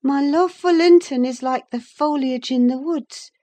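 A woman's voice: high-pitched, measured pace, dark tone, voice pushed up. A woman reader voicing a passionate, headstrong young woman torn in love, speaking with impassioned fervor. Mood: fervent. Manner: fervent, impassioned declaiming.

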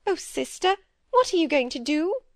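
A woman's voice: high voice, sing-song, moderate pace, dry recording, clean studio sound, pitched above the performer's own voice. A woman voicing a timid, tearful elderly spinster who talks in an anxious, pleading flutter. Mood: fretful.

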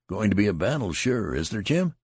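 A man's voice: fairly low pitch, big pitch swings, a little fast, a little mellow, slightly rough, no room sound, pitched above the performer's own voice, exaggerated voice. A man voicing a nervous young male recruit who keeps asking anxious questions.

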